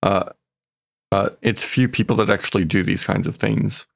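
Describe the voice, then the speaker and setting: A man co-hosting a podcast in casual, emphatic conversation with a gravelly, creaky voice. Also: fairly low pitch, fairly even intonation, normal speed. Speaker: podcast co-host.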